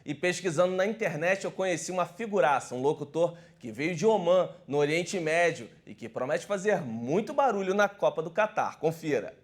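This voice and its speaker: A man presenting a sports news bulletin in an upbeat, lively way. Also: a little high, normal speed, hardly any pauses.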